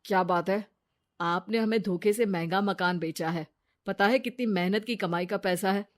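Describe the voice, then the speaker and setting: A woman's voice: medium pitch, normal speed, natural voice. A woman voicing a blunt, distrustful husband in a cartoon story, speaking sternly.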